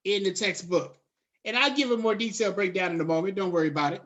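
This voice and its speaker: A man's voice: high voice, fast talker, fairly bright tone, muffled recording. A middle-aged man giving a classroom lecture in a conversational way, slipping into casual slang. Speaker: college lecturer.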